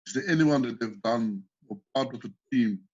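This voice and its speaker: A man's voice: mid-range voice, moderate pace, darkish tone, husky. A South African man teaching first aid on a video call, patiently explaining steps and asking the group questions. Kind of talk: online training session. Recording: dull lo-fi call audio.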